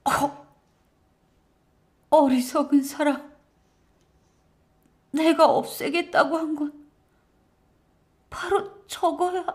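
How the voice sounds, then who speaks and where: A man voicing a dying young wife in an audiobook drama, speaking faintly in a high, breathy, pained voice. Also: very slow, pauses often, exaggerated voice. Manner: faint, broken speech.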